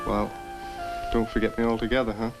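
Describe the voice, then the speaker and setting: An actor playing a pleading, exasperated young boyfriend in a 1960 horror film. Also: male voice, fairly low pitch, level tone, brisk, over music, close to an everyday voice. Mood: wistful. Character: pleading, dismissive young boyfriend, a science student.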